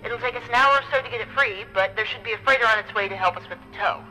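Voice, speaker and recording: A woman's voice: fairly high pitch, very fast, pushed and bright, soft background music. A woman playing a composed space crewmate reporting over a radio link in a sci-fi audio drama. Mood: composed, businesslike. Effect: radio comms filter. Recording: radio-filtered voice with long reverb.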